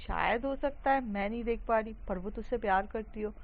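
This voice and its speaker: A woman voicing a teenage schoolgirl who gently reassures a friend, in a soft manner. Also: a little high, a little fast, narrow, tinny audio. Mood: reassuring.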